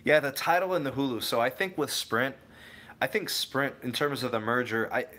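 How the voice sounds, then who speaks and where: A man's voice: medium pitch, normal speed, sharp tone. A young man from the Cleveland area casually hosting a tech livestream, answering viewers by name and often backtracking mid-thought. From Cleveland area, USA. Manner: rambling, self-correcting, answers viewers by name. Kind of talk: casual live chat reading viewer comments.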